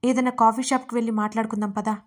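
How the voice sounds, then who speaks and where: A woman voicing a polite, earnest young man who asks gently and insistently, in a storybook reading. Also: on the high side, level tone, racing, lightly acted. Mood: pleading.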